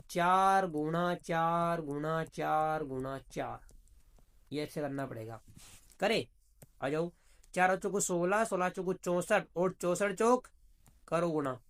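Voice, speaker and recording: A man teaching reasoning for an exam in a chatty way, asking questions and answering them himself. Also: high-pitched. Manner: chatty, calls students "bhaiya", asks and answers his own questions. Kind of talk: exam-prep video lesson.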